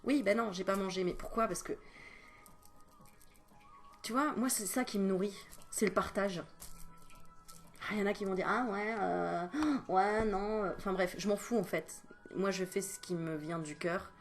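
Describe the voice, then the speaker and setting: A woman's voice: medium pitch, normal speed, pauses often, faint music behind. A woman energy healer chatting through spiritual advice at home, digressing often and adding joking asides. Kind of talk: casual spiritual advice vlog.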